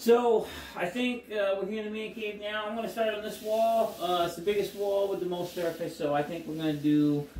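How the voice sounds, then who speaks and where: A man's high-pitched voice at a fairly quick pace, with ordinary pitch variation, audible room echo and light background noise. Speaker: home DIY vlogger. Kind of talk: casual vlog chat. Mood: jokey, relaxed. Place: home room. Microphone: camera far.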